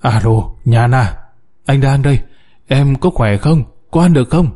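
A man's voice: medium pitch, animated, unhurried, dark tone. A man voicing a kindly, flustered miner near sixty in a story, full of emotion. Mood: anxious, caring.

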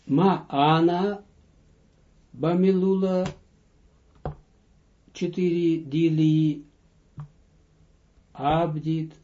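A man teaching a text line by line, reading phrases aloud, translating and repeating them slowly for his students. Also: fairly high pitch, warm tone. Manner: slow, deliberate, dictating with pauses. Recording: dull lo-fi audio recording.

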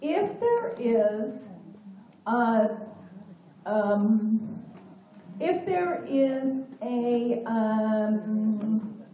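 A woman teacher who speaks slowly, patiently and reassuringly. Her voice is fairly high with a mellow, dark tone. She sounds far off in a very echoey space, with faint room ambience behind her. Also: lively intonation, a little hiss or hum. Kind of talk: class teaching.

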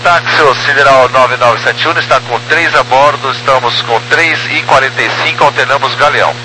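A man's voice: mid-range voice, moderate pace, pushed and bright. A Brazilian man speaking clipped aviation phraseology over a two-way radio, sounding much like police radio. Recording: humming, noisy two-way radio link.

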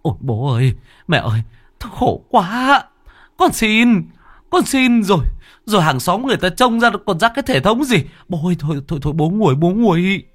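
A man's voice: high voice, big pitch swings, moderate pace, a bit bright, voice pushed up, exaggerated voice. A man voicing a frightened young adult son in a ghost story, pleading in a raised, stammering voice. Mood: pleading panicky.

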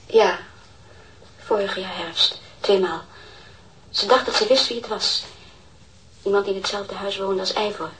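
An actress playing an anxious, subdued mother of a missing girl in a crime radio drama, speaking haltingly. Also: mid-range voice, a bit bright, natural voice, rough recording. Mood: troubled, recalling. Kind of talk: audio crime drama acting.

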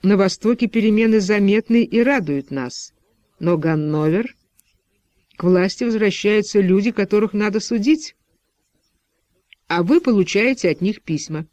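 A man's voice: sits high, lively intonation, normal speed, pauses often, darkish tone, dry recording. A man voicing a stern postwar official who interrogates with pressing, insinuating questions.

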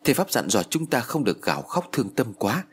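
A man's voice: mid-range voice, big pitch swings, a little fast, slight background noise, natural voice. A man playing a grieving older brother in a spoken horror story, grave and urgent, his voice choked. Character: older man, grief-stricken eldest brother.

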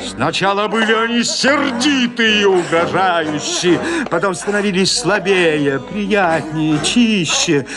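A man narrating a classic tale in a radio drama, telling it in an expressive, dramatic way. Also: sits high, takes it slowly.

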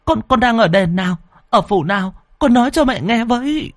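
A grieving mother's voice in a storybook horror tale, pitched far up and cracking with pleading as she stammers out her questions, as a man puts her on. Her tone swings widely, and the voice sits dry and close. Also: expressive, normal speed, fairly bright tone, no echo. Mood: pleading, anxious. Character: grieving middle-aged mother, a spirit medium.

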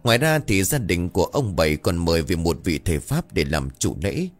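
Low-voiced man telling a horror story. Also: a little fast, faint music behind. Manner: dramatic, expressive storytelling. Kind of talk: scripted horror narration.

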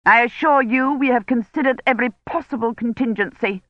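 A woman's voice: a little high, fairly quick, dry recording, voice pushed up, lightly acted. A woman reading a curt, officious male director. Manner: curt and condescending. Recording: dry, slightly dull lo-fi recording.

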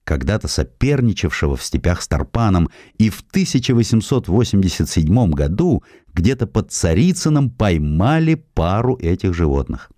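A man reads a scripted historical essay as an audiobook narrator, in an expressive, measured storytelling manner. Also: low voice, dry recording, clean studio sound. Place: studio.

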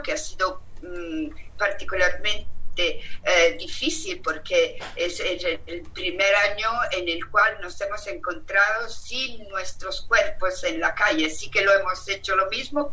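A woman with an Italian accent, speaking Spanish as a second language at an online meeting, halting with many fillers and restarts. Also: fairly low pitch, bright, forceful tone. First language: not Spanish. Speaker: activist speaker. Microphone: video call. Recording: distant mic with faint hiss.

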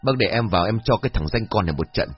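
A man's voice: on the low side, animated, fast, breathy edge, muffled recording, faint music behind. A man voicing a hot-tempered middle-aged village father who curses and blusters, in a storybook reading. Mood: furious. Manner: angry, cursing, blustering.

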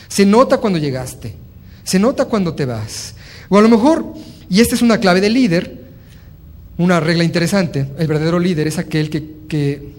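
A man giving a motivational talk on leadership, telling stories with lots of fillers and restarts. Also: a little high. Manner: animated storytelling, acting out dialogue, frequent fillers. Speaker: motivational speaker.

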